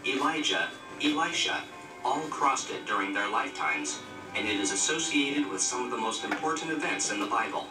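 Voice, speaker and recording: A man reading scripted documentary narration in measured, complete sentences, as narrator of a film. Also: medium pitch. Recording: projected film played in echoey room, distant. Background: loud music.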